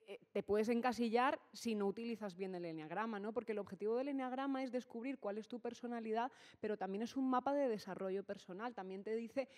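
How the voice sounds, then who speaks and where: A woman in her thirties with a Spanish accent from Spain explains the enneagram in a lively interview, checking in with "¿no?" as she goes. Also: a little high. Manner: animated, gestures while explaining, many fillers like "¿no?". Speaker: enneagram teacher, guest. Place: event stage with hall. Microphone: studio mic on stand. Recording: reverberant hall.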